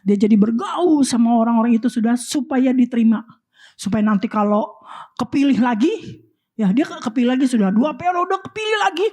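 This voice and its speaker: Brief: woman preacher, fairly high voice, sermon in church, chatty and direct with the congregation. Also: lively intonation, fairly quick, warm tone.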